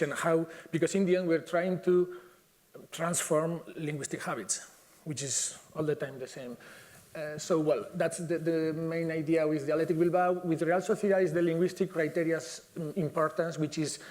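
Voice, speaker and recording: A man's voice: a little high, darkish tone. Hesitant man. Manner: hesitant, many fillers and restarts. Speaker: symposium speaker. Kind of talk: conference talk.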